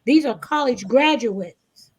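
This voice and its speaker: A woman with a somewhat high-pitched voice talks as a guest on a panel. She is reflective and deliberate, leaning on key words and leaving pauses between her phrases. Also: lively intonation. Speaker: stage play cast member, guest. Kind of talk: reflective panel interview talk.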